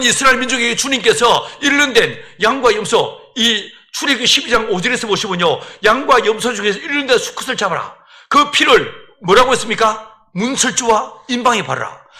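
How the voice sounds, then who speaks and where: A male pastor from the Gyeongsang region with a Gyeongsang accent, preaching an animated sermon that acts out the dialogue of the story. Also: very high-pitched. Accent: Gyeongsang Korean. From Gyeongsang region, Korea.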